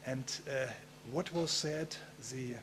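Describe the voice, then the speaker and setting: A man giving a conference talk in a halting way, with many filler pauses and a gravelly voice. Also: medium pitch, fairly even intonation, noisy background. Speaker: conference speaker.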